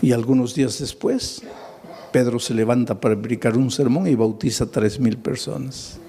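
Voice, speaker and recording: Preaching a sermon, a man tells a Bible story dramatically, acting out its dialogue and asking his listeners rhetorical questions. His mid-range voice is gravelly and dark in tone, moving at a moderate pace.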